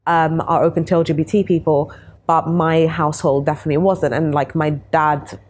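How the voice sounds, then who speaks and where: A woman's voice: low voice, level tone, fairly quick, a little mellow, slightly rough. A young woman in her twenties, a panel guest talking candidly and chattily in a casual discussion, laughing easily. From Italy. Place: bright studio room, city view.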